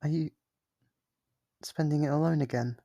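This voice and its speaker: A man voicing a lonely, clingy sealed demon who is sweetly manipulative, in an ASMR roleplay with soft-spoken, wheedling talk. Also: on the high side, fairly even intonation, moderate pace, gravelly, dry recording. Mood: tender.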